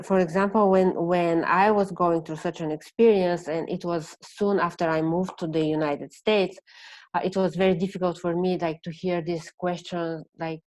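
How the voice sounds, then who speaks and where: A woman from Bulgaria with a Bulgarian accent presenting an online seminar, speaking haltingly as she searches for words in non-native English. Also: lowish voice, a little mellow, no room sound, poor audio. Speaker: presenter, counselor.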